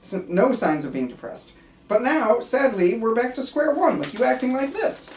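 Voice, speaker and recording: At a film script table read, a woman plays an earnest, controlling male psychiatrist, speaking calmly, clinically and insistently with slight stumbles. Her voice is on the high side, sing-song and a little mellow at a moderate pace, captured by a distant mic in a roomy space with faint room noise.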